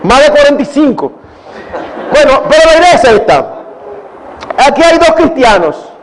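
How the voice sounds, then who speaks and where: Older Dominican pastor, man, very high pitch; earnest, digressive Q&A delivery. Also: big pitch swings, moderate pace, a faint crowd, slight background noise, poor audio. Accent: Dominican Spanish. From Dominican Republic. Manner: earnest, digressive, addresses audience as brothers. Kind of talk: conference Q&A talk.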